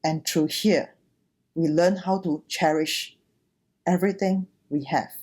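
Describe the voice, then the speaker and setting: Slow, mellow-voiced woman giving a Dharma talk. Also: low voice, fairly even intonation. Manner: deliberate, short phrases with pauses, earnest. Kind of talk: sermon, gentle teaching talk.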